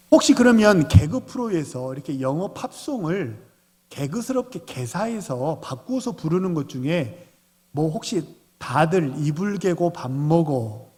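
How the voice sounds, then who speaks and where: A man, the senior pastor, preaching a Sunday sermon and often putting questions to the congregation. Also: on the high side. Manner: animated, asks the congregation questions. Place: church sanctuary. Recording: long reverb of a church hall.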